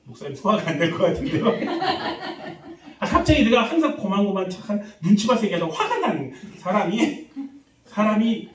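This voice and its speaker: A man preaching a revival sermon as a pastor, lively and acting out the people he quotes while quizzing the congregation. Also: high voice, fast, background noise. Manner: animated, acts out quoted voices, quizzes congregation. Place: church sanctuary. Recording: echoey church hall, distant mic.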